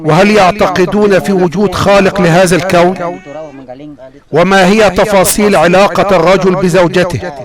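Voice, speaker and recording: A man narrates a travel documentary. His voice sits notably high, and his phrasing is formal and measured, like a prepared script. A clear bed of many background voices and sounds runs behind him. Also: fairly even intonation, a crowd in the background. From Egypt.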